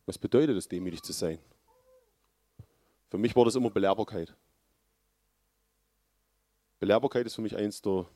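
A man preaching a sermon, with earnest, loud emphasis that drops to low, quiet lines. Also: dry recording, studio quality.

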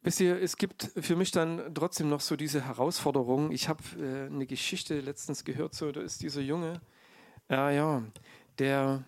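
Gravelly, chatty preacher. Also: male voice, on the high side, steady tone, moderate pace, no room sound. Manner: chatty, many fillers and restarts. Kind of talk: informal sermon.

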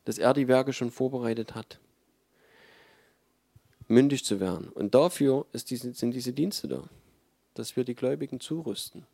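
Mellow-voiced German man preaching. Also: mid-range voice, normal speed, creaky, pauses often, dry recording. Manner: conversational preaching, emphatic, with frequent fillers. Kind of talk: sermon.

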